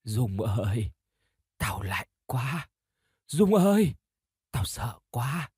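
A man's voice: medium pitch, big pitch swings, darkish tone, husky, no echo, studio quality, heavily acted. A man putting on a wailing drowned girl ghost. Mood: mournful wailing. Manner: wailing, drawn-out calls. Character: crying drowned girl ghost, cold and frightened.

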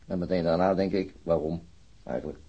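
A middle-aged wounded policeman in a radio drama, gloomy and wry. His low voice is very husky and full of gravelly creak. He speaks in a subdued, weary, hesitant way, with a sardonic edge. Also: steady tone, brisk, lo-fi sound. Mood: bitter, brooding. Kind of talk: naturalistic radio play acting.

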